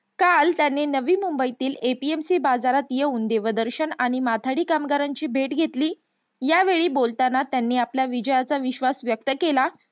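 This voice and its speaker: A woman's high-pitched voice with ordinary pitch variation and very even loudness. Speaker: news voice-over artist. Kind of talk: TV news report narration.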